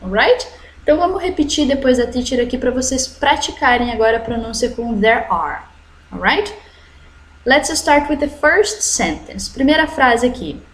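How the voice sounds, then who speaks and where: A woman teacher with a Brazilian accent giving an online English lesson to children, switching between explanation and slowly drawn-out model sentences. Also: high-pitched, lively intonation, a bit bright. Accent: Brazilian Portuguese. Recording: echoey room.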